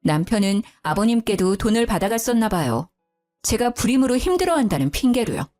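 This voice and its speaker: A woman narrating a dramatic first-person story in a scripted, expressive way. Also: on the high side, brisk, soft background music. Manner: expressive, heated when telling of her anger.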